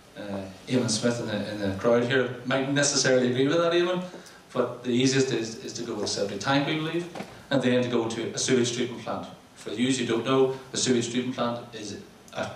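Amid audible room echo and light background noise, a man talks with ordinary pitch variation. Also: fairly quick pace. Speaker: presenter. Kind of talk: conference presentation. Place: hall. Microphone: podium.

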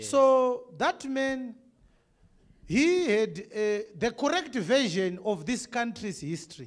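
Against a quiet background, a man with a Zimbabwean accent speaks very slowly at an extremely high pitch, making very wide pitch swings. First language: Shona. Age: 30s. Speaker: pastor. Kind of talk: sermon. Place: church. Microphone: handheld.

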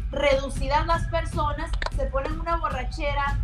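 A woman talks fairly slowly while clear music sounds behind her. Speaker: entertainment show host. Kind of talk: celebrity gossip commentary. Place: home room. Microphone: webcam.

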